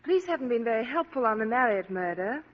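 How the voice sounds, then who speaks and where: A woman's voice: a little high, very animated, quick pace. An actress playing a cool, evasive young woman who poses as a reporter in a 1940s radio drama. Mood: guarded. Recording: dull lo-fi old radio broadcast.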